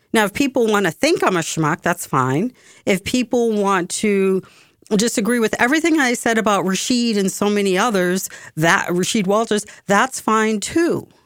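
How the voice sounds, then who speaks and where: Delivered at a moderate pace with lively intonation and very even loudness, the speech comes through on a very clean recording with a silent background and a dry, close sound with no echo. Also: woman, medium pitch for a woman. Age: 50s. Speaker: community radio host. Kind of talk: radio commentary. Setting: radio studio.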